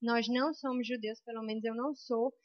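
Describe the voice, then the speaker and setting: A woman's voice: on the high side, steady tone, fairly quick, dry recording, highs cut off. A young Brazilian woman preaching a sermon in a church with a Brazilian Portuguese accent, impassioned and building to emphatic peaks.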